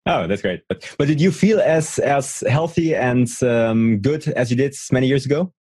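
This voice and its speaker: A male interviewer with a husky, mid-pitched voice, recorded dry and close. He feels his way through his questions with lots of ums and quick little affirmations. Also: animated, darkish tone, dry recording. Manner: hesitant, many fillers, short affirmations. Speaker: interviewer, host.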